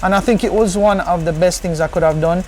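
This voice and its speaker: A man's voice: high voice, steady tone, fast talker, darkish tone, a little hiss or hum. A man from Jamaica with a Jamaican accent, chatting casually in patois-flecked English as an interview guest. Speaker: interview guest, car content creator.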